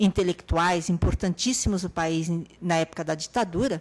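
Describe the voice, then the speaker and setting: Her voice is somewhat breathy and fairly low in pitch as this woman speaks at a fairly slow pace. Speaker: physician and public health speaker. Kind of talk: panel talk answering audience question.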